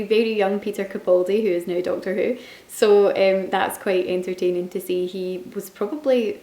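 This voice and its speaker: A young woman with a Glaswegian Scottish accent talks casually to the camera in a mid-pitched voice. She rambles a little, with fillers and asides. The sound is roomy, with some echo from the walls around her. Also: mellow. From Scotland. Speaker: beauty and lifestyle YouTuber. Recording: echoey room.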